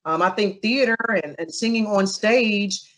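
A young adult woman answering interview questions in a casual, animated way, telling stories with asides to the listener. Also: mid-range voice, unhurried, poor audio. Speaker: interview guest.

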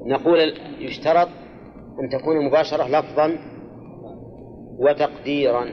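A man's voice: fairly high pitch, fairly even intonation, slow, long pauses, lo-fi sound, a little hiss or hum. An older man teaching a grammar and exegesis class, explaining step by step, repeating key phrases and quizzing his students. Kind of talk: classroom lesson with questions to students.

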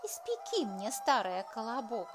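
A woman's voice: on the high side, sing-song, a little slow, over music. A woman voicing a folksy old peasant grandfather coaxing his wife in a children's fairy tale.

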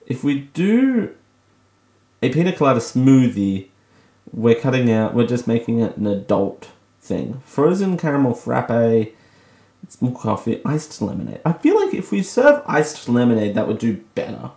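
A man's voice: mid-range voice, lively intonation, measured pace, a little mellow. An Australian man hosting a radio show, chatting casually on his own, joking at his own expense and laughing often. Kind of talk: casual solo radio talk. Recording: echoey room.

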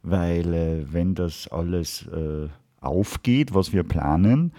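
A man's voice: low-pitched, slow, dark tone. A man co-hosting a podcast, cracking dry jokes and hesitating often. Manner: dry joking, hesitant with many fillers. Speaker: podcast co-host. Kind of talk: casual podcast chat.

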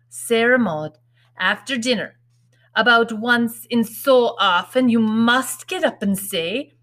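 A woman's voice: on the high side, fairly bright tone, voice pushed up, exaggerated voice. A woman voicing a proud, fussing working-class mother who drills and scolds her children in folksy, ungrammatical speech in a storybook reading.

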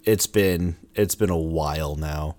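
A man co-hosting a podcast in casual chat, hoarse from bronchitis, rambling and correcting himself as he goes. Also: a bass voice, unhurried, darkish tone. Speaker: podcast co-host.

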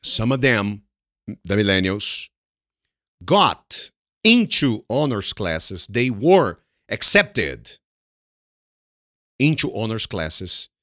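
Brazilian man with a Brazilian Portuguese accent, a low voice and a dry, close sound, teaching English and drilling students with questions and repeated words. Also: bright, forceful tone, no room sound. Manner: repeats words slowly, asks students questions and answers them himself. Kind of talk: English lesson mixing in Portuguese explanations.

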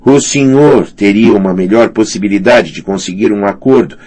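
A man's voice: fairly low pitch, normal speed, darkish tone, pitched above the performer's own voice, close to an everyday voice. A man voicing a trapped young man who speaks in a tight, dry, lifeless voice. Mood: tense. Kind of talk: audiobook character reading.

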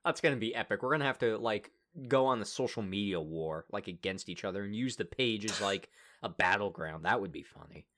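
A young man co-hosting a casual sports podcast, joking and excitable, laughing often. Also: on the low side, fairly quick. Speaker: podcast co-host.

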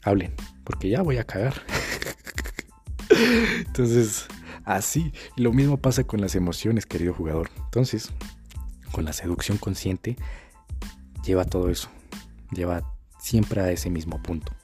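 A man's voice: low-pitched, unhurried, long pauses, darkish tone, faint music behind. A young man with a Colombian accent talking in a casual monologue as a dating coach. He is crude and slangy, and he acts out the voices he quotes. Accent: Colombian Spanish.

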